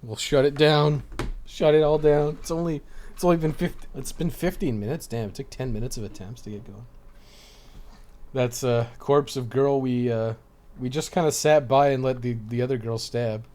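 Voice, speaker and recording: A man's voice: medium pitch, steady tone, normal speed. A man doing casual live game commentary as a streamer, chatting with viewers in an offhand, rambling way as he thinks aloud. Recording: loud guitar game music behind voice. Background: loud game music with plucked guitar.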